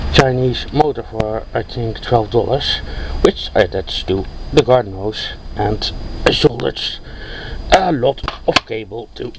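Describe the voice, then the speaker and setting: A man speaks at a fairly slow pace, with long, frequent pauses and big swings in loudness. Noticeable background noise runs underneath. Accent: Dutch. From Netherlands. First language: Dutch. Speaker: DIY hobbyist. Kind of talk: casual tutorial talk to camera. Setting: outdoors, poor sound quality. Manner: hesitant, many fillers.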